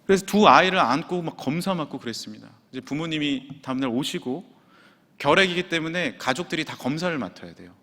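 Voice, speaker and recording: A male senior pastor preaching a sermon in a church, telling a personal story with hushed asides and sudden exclamations. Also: fairly high pitch. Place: church sanctuary. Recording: long church hall reverb.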